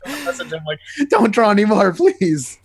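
A young man co-hosting a podcast, chatting casually and telling stories in a rambling, animated way. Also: high-pitched, slight background noise. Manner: fast, rambling, animated storytelling. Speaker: podcast co-host and comic writer. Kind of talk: casual chat.

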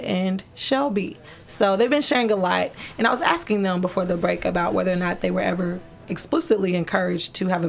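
A woman's voice: mid-range voice, gravelly. A woman hosting a Christian radio talk show, upbeat and affirming as she guides a roundtable. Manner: upbeat, affirming, laughs often.

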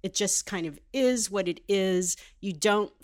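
An older American woman, a television writer, speaking as a guest in a casual interview, measured and reflective. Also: medium pitch. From United States. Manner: measured, reflective, thinks aloud.

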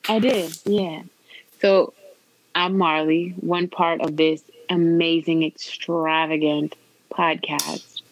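A woman's voice: sits low, steady tone, slow, dry recording, poor audio. A woman with a Puerto Rican accent, co-hosting a podcast in casual, candid chat with blunt, wry remarks. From Puerto Rican, raised in the US South. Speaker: podcast co-host.

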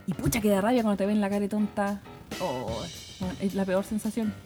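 A woman's voice: medium pitch, flat delivery, fast, mellow, faint music behind. A young woman with a Chilean accent hosting a podcast, chatting in a slangy way and laughing often. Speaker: podcast host. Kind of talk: casual chat.

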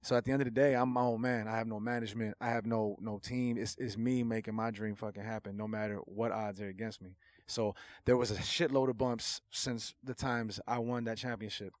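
Man, native Portuguese speaker, slangy and emphatic, casual chat, mid pitch, dry sound. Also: brisk, no echo. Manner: animated slangy talk, emphatic swearing. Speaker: guest rapper.

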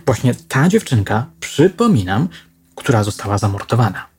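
A man voicing a hot-tempered young woman police investigator who talks in a sharp, pushy way. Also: medium pitch, sing-song, normal speed. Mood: accusing.

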